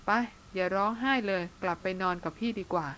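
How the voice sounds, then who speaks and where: A woman's voice: lowish voice, fairly quick, a bit bright, slight background noise, close to an everyday voice. A woman reading the part of a bearded older brother who speaks bluntly and teases his younger sister. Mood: teasing. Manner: blunt, teasing, plain-spoken. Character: teasing bearded older brother, blunt but tender man.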